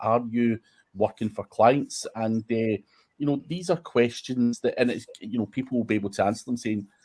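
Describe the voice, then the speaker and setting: The recording is very clean, with a silent background. A man speaks with a Scottish accent at a medium pitch and moderate pace, with ordinary pitch variation. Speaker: digital marketing consultant. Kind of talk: interview. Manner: halting, filler words.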